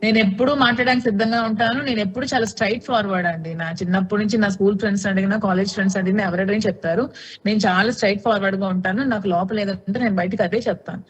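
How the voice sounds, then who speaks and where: Fast-talking outspoken woman in an interview. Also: mid-range voice, fairly even intonation, slightly rough, lo-fi sound. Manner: outspoken, insistent, repeats herself. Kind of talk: heated TV interview answers.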